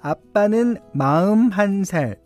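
A man voicing a bossy four-year-old girl in a story he reads aloud on radio, talking slowly in a drawn-out childlike way. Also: sits high, animated, a little mellow, soft background music, pitched above the performer's own voice. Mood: insistent. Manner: slow, drawn-out childlike speech.

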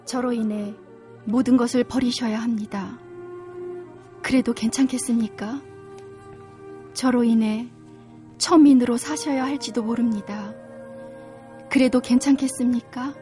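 A woman's voice: a little high, fairly even intonation, measured pace, long pauses, soft background music, lightly acted. A woman playing an earnest, devoted young court lady in a historical drama skit. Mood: solemn, anxious.

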